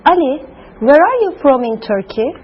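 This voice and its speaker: A woman's voice: high voice, lively intonation, normal speed, muffled recording. A woman assisting in an English class, giving short, careful answers in scripted dialogues. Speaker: class assistant playing learner roles.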